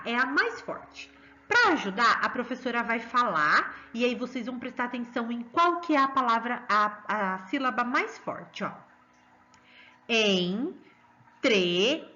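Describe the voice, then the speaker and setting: A woman's voice: a little high, sharp tone, lo-fi sound. A woman with a Brazilian Portuguese accent teaching a children's lesson, sing-song and coaxing, drawing out stressed syllables.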